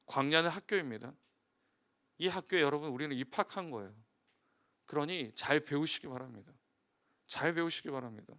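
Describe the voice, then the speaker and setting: A male pastor giving a sermon, asking the congregation rhetorical questions and moving between emphatic, louder passages and quiet, hushed ones. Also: fairly high pitch.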